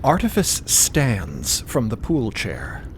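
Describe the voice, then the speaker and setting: A man's voice: lowish voice, wildly swooping pitch, slow, slight background noise. A man narrating a scripted audio drama in a dramatic storytelling style.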